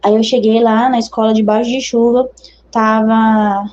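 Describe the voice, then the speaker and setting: A woman's voice: a little high, flat delivery, moderate pace, darkish tone, lo-fi sound, a little hiss or hum. Brazilian woman giving an earnest testimony. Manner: earnest, conversational, addresses listeners as brothers and sisters. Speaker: missionary. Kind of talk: religious testimony.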